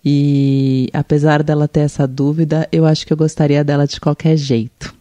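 A woman's voice: low-pitched, flat delivery, moderate pace, dark tone, no echo. A woman, hosting a music interview show, who asks short questions and tells her own stories in a chatty way. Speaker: interviewer and host. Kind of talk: radio interview.

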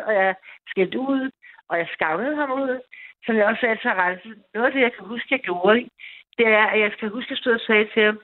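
A woman in her fifties calling in, rambling through a personal story and repeating herself a lot. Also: medium pitch. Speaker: caller. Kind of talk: personal storytelling on a call-in show. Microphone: telephone. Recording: tinny phone line.

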